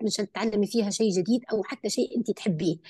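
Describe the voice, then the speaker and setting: A woman's somewhat breathy, dark and mellow voice at a fairly quick pace, with ordinary pitch variation and a quiet background. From Tunisia. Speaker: traveller, gymnastics coach; podcast guest. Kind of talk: podcast interview. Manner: frequent English code-switching; halting, many restarts. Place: home room. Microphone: earbuds.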